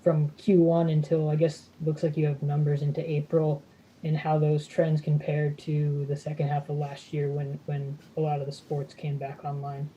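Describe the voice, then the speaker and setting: A woman speaking as a financial analyst, asking questions haltingly on a muffled conference call. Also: deep voice, monotone, mellow, a little hiss or hum. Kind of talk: hesitant spoken questions.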